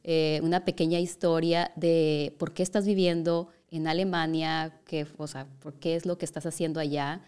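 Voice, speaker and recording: A woman's voice: low voice, little pitch movement, normal speed, few pauses, darkish tone, clean tone. A woman hosting a podcast, interviewing in a casual, chatty way with wordy, roundabout questions.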